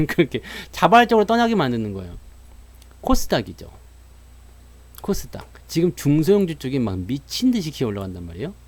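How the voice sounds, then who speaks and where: A man giving a casual stock market talk, animated, acting out joking quotes and analogies and laughing often mid-sentence. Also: fairly high pitch, a little fast.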